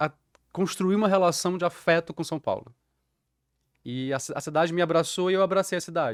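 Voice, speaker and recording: Recorded very cleanly against a silent background, a man with a high pitch talks at a moderate pace in a dry, close sound with no echo. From Brazil, Bahia (Salvador). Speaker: actor and visual artist. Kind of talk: interview conversation.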